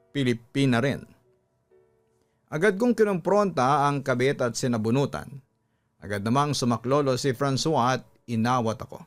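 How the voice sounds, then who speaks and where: A man with a Filipino accent narrating a scripted story in a dramatic radio storytelling style. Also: medium pitch. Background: background music.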